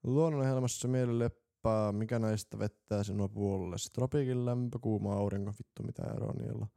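Podcast co-host, man, low gravelly voice, mellow dark tone, hammy quiz reading. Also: steady tone. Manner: reads quiz options with mock enthusiasm, crude jokes. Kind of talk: casual chat, reading quiz questions aloud.

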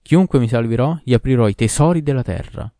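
A man's voice: medium pitch, fairly quick, mellow, no room sound, clean studio sound, pitched above the performer's own voice, lightly acted. A man voicing a proud and cruel ancient male jinn in a storybook reading, in a solemn, declaiming manner. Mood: menacing.

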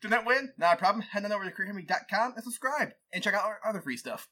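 A man's voice: high-pitched, racing, music in the background. A man co-hosting a tabletop gaming podcast, telling stories animatedly and reading sponsor copy. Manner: animated storyteller, acts out quotes. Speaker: podcast co-host. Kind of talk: casual podcast chat and sponsor read.

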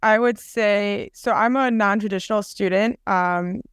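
A woman's voice: mid-range voice, a little slow, clear, resonant tone, no room sound, studio quality. A woman in her twenties from the Chicago area, a dental student chatting about her interview. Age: 20s. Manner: chatty, many fillers and restarts. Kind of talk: casual interview answers.

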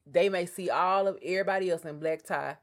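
A woman's voice: lowish voice, brisk. A woman speaking African American English in casual conversation, emphatic and repeating her points to drive them home.

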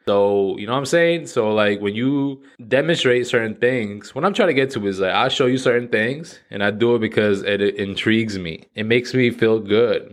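A man in his thirties talking casually and profanely to his audience in an animated, slangy rant. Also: fairly low pitch. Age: 30s. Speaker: vlogger. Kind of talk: casual monologue to camera.

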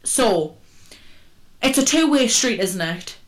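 A woman's voice: a little high, lively intonation, takes it slowly, a little hiss or hum. A woman co-hosting a podcast in casual, jokey banter, talking with braces on. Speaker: podcast co-host.

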